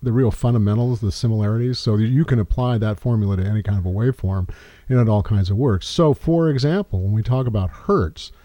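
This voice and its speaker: A man's voice: lowish voice, fast, warm tone, no echo. A man in his sixties explaining sound waves in casual chat, rambling and repeating words as he works through an idea. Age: 60s.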